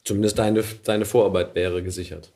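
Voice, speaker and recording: Male podcast interviewer, fairly low voice, relaxed phrasing, casual and encouraging. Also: a little fast, creaky. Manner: informal, brief encouraging interjections. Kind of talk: casual chat.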